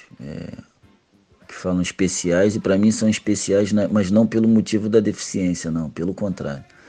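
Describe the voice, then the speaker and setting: Music plays in the background as a man talks at a moderate pace. His pitch is fairly low and his intonation fairly even. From Brazil, Rio de Janeiro (Paquetá island). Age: 40s. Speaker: amateur footballer. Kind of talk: interview.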